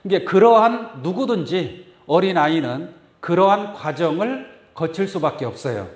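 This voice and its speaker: Male pastor, sermon delivery, questions to the flock, lively pitch, roomy church sound. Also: a little slow. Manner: asks the congregation many questions. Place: church sanctuary. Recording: echoey church room. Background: congregation saying amen.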